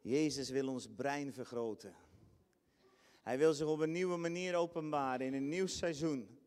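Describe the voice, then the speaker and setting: A man preaching a lively sermon, acting out scenes with sudden high shrieks and bursts of laughter. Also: unhurried, clear, resonant tone. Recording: long hall reverb in a church.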